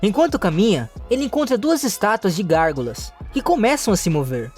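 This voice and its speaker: Lively recap narrator, faint music. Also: medium pitch, fairly quick. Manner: steady reading with small restarts. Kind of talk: recap narration, read aloud.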